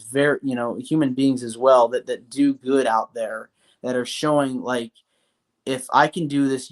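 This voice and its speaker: A man as a podcast guest, talking earnestly and loosely, with lots of fillers and restarts. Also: medium pitch. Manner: earnest, rambling with many fillers. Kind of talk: casual interview talk.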